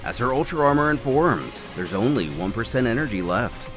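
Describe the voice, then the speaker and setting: A man gives dramatic scripted narration of an action story. His voice sits at a middle pitch with very lively, theatrical intonation, and music plays clearly behind it. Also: moderate pace. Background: dramatic background music.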